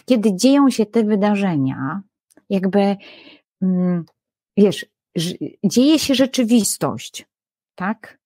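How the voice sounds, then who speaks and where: A woman biblical scholar explaining scripture in lively conversation, often using fillers and acting out quoted lines. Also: medium pitch, slow pace, no echo, studio quality. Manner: animated, frequent fillers, acts out quoted voices.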